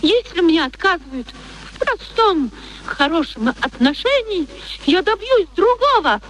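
A woman's voice: very high-pitched, very animated, unhurried, full character voice, low-quality recording. An actress playing a proud, passionate young woman in a radio play, theatrical and emotional. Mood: defiant. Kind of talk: Soviet radio play acting. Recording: old radio play recording, faint noise.

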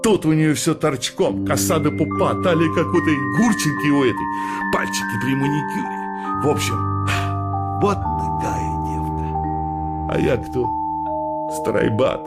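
An actor playing a middle-aged working-class husband, sentimental, jealous and hot-tempered, with coarse, pestering colloquial speech in a radio comedy play. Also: male voice, fairly high pitch, unhurried, natural voice. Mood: wistful, confiding. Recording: music behind the voice.

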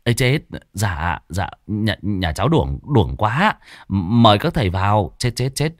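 A man's voice: on the low side, big pitch swings, measured pace, no echo, studio quality. A man voicing a nervous, humble middle-aged homeowner who stammers and speaks deferentially. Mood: anxious.

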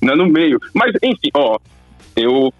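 A man's voice: fairly high pitch, sing-song, measured pace, over music. A man calling in over the phone, rambling and hesitant in casual chat. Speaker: caller. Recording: dull, dry phone line.

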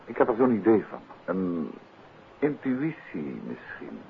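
An actor playing an unruffled gentleman detective and teasing husband in a 1950s radio play, wry and courteous. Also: low voice, wildly swooping pitch, unhurried, vocal fry, full character voice. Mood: grave, musing. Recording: muffled, hissy 1950s radio recording.

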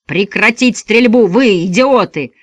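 A narrator voicing a gruff backwoods outlaw father who bellows coarse threats. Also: mid-range voice, lively intonation, brisk, fairly bright tone, no room sound, voice pushed up, natural voice. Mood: bellowing.

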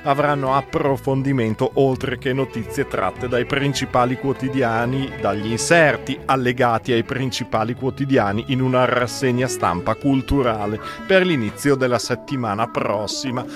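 A male radio host in a studio runs through upcoming events in a quick, practiced announcer style. His voice sits at an ordinary pitch, and now and then he pauses on a filler before moving on. Faint music plays underneath. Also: fairly even intonation. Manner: brisk announcer delivery with occasional hesitations. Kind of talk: reading radio event listings.

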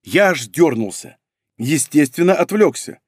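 A man's voice: on the high side, lively intonation, measured pace, no echo, clean studio sound. A man narrating a first-person audiobook in a wry, conversational way.

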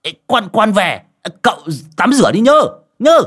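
A man's voice: high-pitched, big pitch swings, a little slow, a bit bright, slightly rough, pitched above the performer's own voice, full character voice. A man doing a stammering drunk old man. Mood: flustered. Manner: stammering, flustered.

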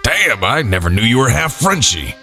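A man's voice: mid-range voice, sing-song, normal speed, creaky, pushed and bright, soft background music, pitched above the performer's own voice, full character voice. A man voicing a goofy guy who puts on a mocking, exaggerated fake French accent in a sing-song way.

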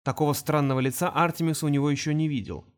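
A man narrating an audiobook in an expressive storytelling manner. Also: fairly high pitch, fast talker, clean tone. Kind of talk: scripted narration.

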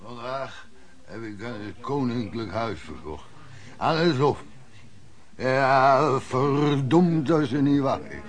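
An actor playing a boastful, down-and-out drunken flower peddler in a radio play, halting and slurred. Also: male voice, mid-range voice, animated. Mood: drunken boasting. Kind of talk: Dutch radio play acting.

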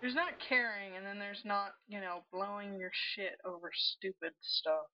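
A woman co-hosting a casual podcast chat, giggly and unhurried. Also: medium pitch, fairly even intonation, no echo, lo-fi sound. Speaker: podcast co-host.

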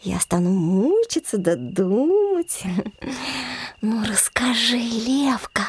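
A woman's voice: on the high side, very animated, slow, slightly rough. A young woman in a radio play, coaxing and pleading with her sweetheart in a half-whispered voice. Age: young adult.

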